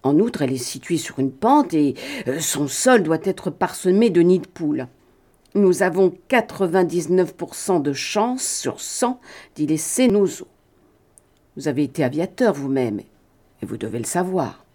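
A woman voicing a calm, steady male pilot hero in a read-aloud adventure story, with a measured manner. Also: sits low. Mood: calm, firm.

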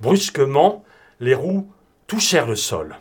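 A man narrating an adventure novel as an audiobook reader, in a steady, clear reading. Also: medium pitch, takes it slowly.

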